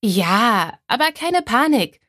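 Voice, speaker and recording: An excited, chatty young woman, voiced by a woman reading an audiobook, the pushy best friend. Her voice sits well above the reader's usual pitch and lifts even higher when she gets eager. It is recorded close and dry, with no room sound. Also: slow pace, no room sound, exaggerated voice. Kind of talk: audiobook character voice.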